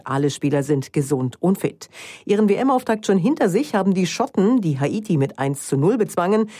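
A woman sports correspondent filing a crisp news report. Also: lowish voice, dark tone, no room sound, clean studio sound.

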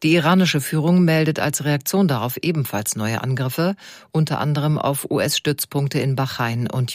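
A man reading a radio news bulletin in a measured, formal way. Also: medium pitch, dry recording, studio quality. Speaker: newsreader.

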